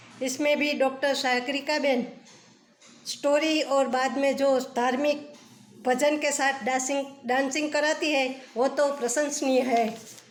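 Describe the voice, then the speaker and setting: Monotone, flat intonation amid noticeable background noise and audible room echo. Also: woman. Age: 60s. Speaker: housewife, club member. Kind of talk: self-introduction.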